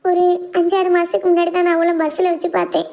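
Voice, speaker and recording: A heartbroken young woman in a family drama, played by a woman, pleading and close to tears. Her voice sits very high, with a lilt. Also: level tone, fast, mellow. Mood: tearful. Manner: tearful, pleading. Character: young woman, lovesick and despairing.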